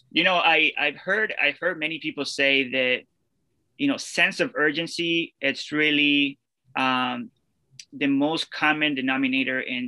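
A man with a Spanish accent talks at a fairly slow pace, his pitch fairly high and its variation ordinary. The tone is bright and sharp, the sound dry and close with no echo, and the recording very clean with a silent background. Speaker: podcast host. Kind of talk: interview.

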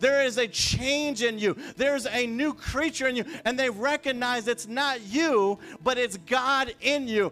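A man's raised, projected voice at an extremely high pitch, with ordinary pitch variation, very even loudness, a fairly slow pace and hardly any pauses. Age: 40s. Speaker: pastor. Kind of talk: sermon. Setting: church.

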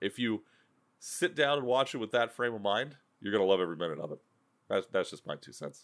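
A man with vocal fry speaks very fast, his pitch swinging very widely, broken by long, frequent pauses. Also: medium pitch for a man. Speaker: podcast host guest. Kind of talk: casual chat. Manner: halting.

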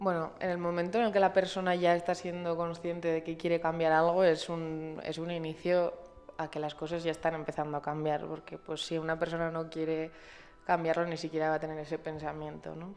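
Speaking in a Spanish accent, a woman with a fairly low pitch talks at a fairly quick pace in a monotone, flat intonation. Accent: Spanish (Spain). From Navarra, northern Spain. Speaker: psychology intern. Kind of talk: podcast interview. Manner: halting.

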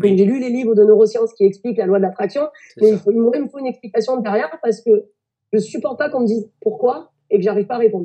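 A woman's fairly high voice at a very fast pace. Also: ordinary pitch variation. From Marseille, southern France. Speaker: life coach, former nurse. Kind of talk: casual interview.

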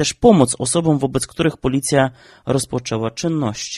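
A man's plain, everyday voice, a plain, everyday voice with lively intonation and fairly high pitch. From Ukraine. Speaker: radio columnist, journalist. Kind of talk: read opinion column.

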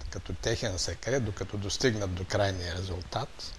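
A man's fairly low, somewhat breathy voice with ordinary pitch variation. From Bulgaria, Maglizh (Stara Zagora region). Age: 70s. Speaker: physicist and astronomer. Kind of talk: interview. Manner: halting.

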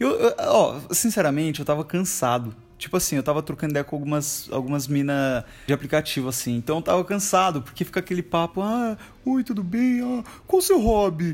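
Speaking at a fairly quick pace, a man with a high pitch moves through very wide pitch swings. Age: 20s. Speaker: podcast co-host and social media creator. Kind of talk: casual chat. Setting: home, on a sofa.

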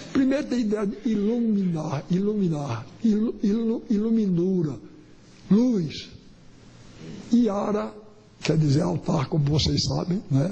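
Amid noticeable background noise and audible room echo, a high-pitched man talks at a very slow pace with long, frequent pauses. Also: lively intonation. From Brazil, Paraíba and Pernambuco. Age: old. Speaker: writer and lecturer. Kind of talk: lecture.

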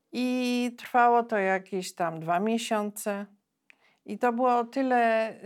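With ordinary pitch variation, a woman with a fairly high pitch speaks at a very slow pace. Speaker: writer and former journalist. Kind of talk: interview conversation.

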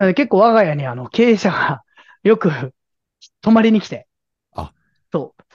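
The speech goes at a fairly slow pace, with long, frequent pauses. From Japan, Chiba. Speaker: company founder and education trainer. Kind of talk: interview. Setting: remote call.

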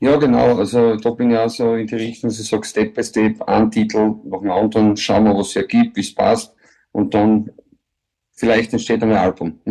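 Here a man speaks at a medium pitch and a moderate pace. His tone is dark and mellow, his intonation monotone and flat. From Austria, Styria. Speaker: singer. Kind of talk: interview. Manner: hesitant, many fillers.

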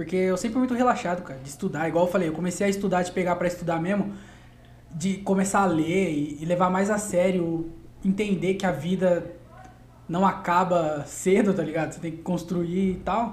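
A man's high-pitched voice at a moderate pace, fairly even in intonation, with audible room echo. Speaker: comedian. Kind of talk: casual chat. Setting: home recording.

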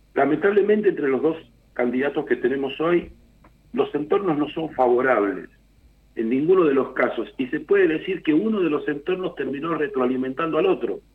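In an ordinary speaking voice, a man talks at a moderate pace in a fairly high pitch with lively intonation. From Argentina. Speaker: political analyst. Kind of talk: political commentary.

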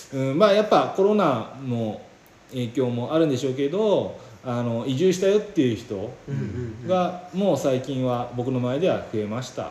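A man's medium-pitched voice with lively intonation at a moderate pace, plus noticeable background noise and audible room echo. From Tokyo (Shibuya). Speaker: live-stream creator and MC. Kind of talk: casual interview chat.

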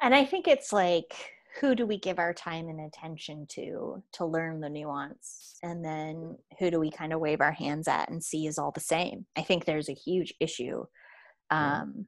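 A woman with an American accent speaks in an unremarkable speaking voice at a moderate pace, fairly low in pitch with ordinary pitch variation and big swings in loudness. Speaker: rum distiller and podcast host. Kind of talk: casual interview conversation. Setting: remote recording.

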